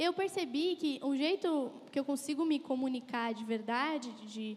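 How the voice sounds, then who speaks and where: Lively intonation marks speech delivered at a fairly slow pace. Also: woman. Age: 20s. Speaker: guest preacher, pastor's daughter. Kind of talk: testimony within a shared sermon.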